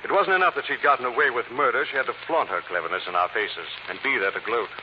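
A man's voice: medium pitch, expressive, quick pace, close to an everyday voice. A man playing a suave, self-assured amateur detective in an old radio drama. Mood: assured, explanatory. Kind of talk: 1940s radio drama acting. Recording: noisy dull old radio recording.

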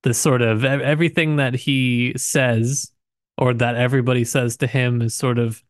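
A man's voice: mid-range voice, steady tone, normal speed, no echo, clean studio sound. A man co-hosting a casual book discussion, speaking informally and hesitantly with asides. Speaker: podcast co-host.

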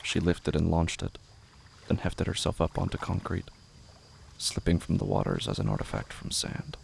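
Man narrating a horror audio drama, really low creaky fry voice, measured and brooding, crickets and noise behind. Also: very animated, a little mellow.

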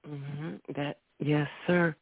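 Woman, low voice, slow and courteous interviewer, phone-line sound. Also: fairly even intonation, breathy edge, no echo. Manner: polite and formal, says "yes, sir" often. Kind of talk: radio interview. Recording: dry, narrow phone-like sound.

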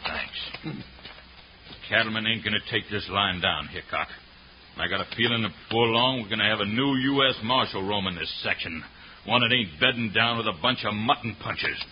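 An actor playing a hostile, threatening cattle rancher with a sneering drawl, in 1940s radio acting style. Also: male voice, on the low side, normal speed, close to an everyday voice. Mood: menacing. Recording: dull hissy old radio broadcast.

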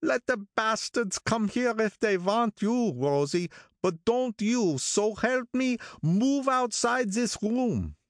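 A man voicing a gloomy, sentimental older gangster who talks in a slow, brooding, drawn-out way. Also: high-pitched, animated, no room sound, clean studio sound, voice pushed up, heavily acted.

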